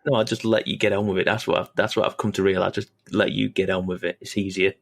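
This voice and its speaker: Hesitant low-voiced co-host. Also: male voice, flat delivery, fast talker, vocal fry. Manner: hesitant, stumbling restarts. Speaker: podcast co-host. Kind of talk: casual podcast chat.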